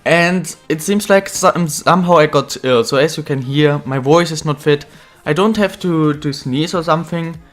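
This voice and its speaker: A young man who is a bit ill, chatting casually while commentating his own football video game career, getting excited at goals. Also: on the high side, normal speed, faint music behind. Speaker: gaming channel host.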